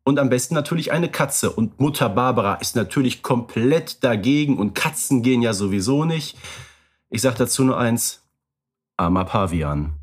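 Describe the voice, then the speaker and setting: A man co-hosting a podcast, chatting in a relaxed conversational way with occasional fillers. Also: medium pitch, moderate pace, slightly rough. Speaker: podcast co-host. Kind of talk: casual podcast chat.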